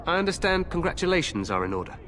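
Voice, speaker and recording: A man's voice: high voice, sing-song, fast talker, fairly bright tone, slight background noise. An actor playing a proud, eager young king in a fantasy game, with a regal, grandiose manner. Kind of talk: fantasy video game acting.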